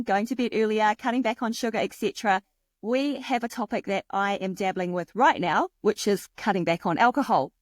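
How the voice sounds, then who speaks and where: A woman's voice: on the high side, no echo. New woman hosting a podcast. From New Zealand. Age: middle-aged. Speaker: podcast host. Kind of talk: podcast interview.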